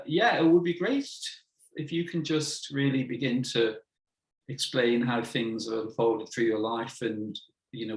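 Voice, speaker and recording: A man hosting a conversational interview over a video call, speaking gently and haltingly with many fillers. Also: medium pitch, echoey room, low-quality recording. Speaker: host.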